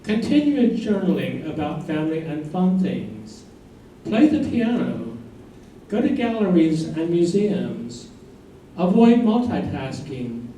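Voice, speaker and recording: Man as a clinical doctor, mellow, very echoey. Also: fairly high pitch. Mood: advising. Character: brisk, advising male doctor, reassuring and clinical. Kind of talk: staged reading, doctor's instructions. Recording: very echoey distant stage recording, faint noise.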